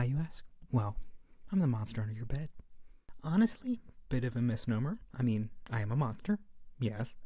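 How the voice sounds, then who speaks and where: A gentle, playful monster from under the bed voiced by a man speaks softly in an ASMR roleplay. The voice is mellow and breathy, often dropping close to a whisper. It is very close and dry, with a sheepish, coaxing manner. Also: medium pitch, no room sound. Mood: gentle, urgent. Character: friendly, sheepish monster under the bed who tells corny jokes. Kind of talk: soft-spoken ASMR roleplay. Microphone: very close to the mic.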